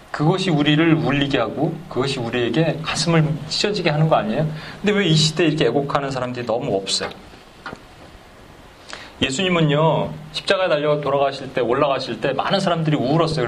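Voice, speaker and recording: A man preaching a sermon, animated and chuckling as he tells stories and acts out dialogues. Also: medium pitch, a little hiss or hum, poor audio. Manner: chuckles while telling stories. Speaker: pastor.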